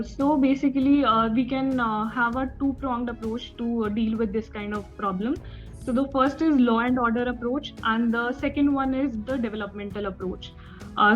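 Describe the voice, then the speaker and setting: A young Indian-accented woman speaks in a fairly high voice as she gives formal interview answers. She sounds nervous and hesitant, deferring politely to the panel. The sound is dull and band-limited, with music running behind her. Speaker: interview candidate.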